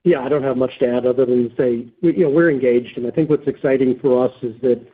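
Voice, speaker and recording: A man speaking as a company executive on an earnings call, explaining in halting phrases with repeated words. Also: mid-range voice. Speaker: company executive answering analysts. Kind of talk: earnings call question and answer. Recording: narrow phone-like conference line.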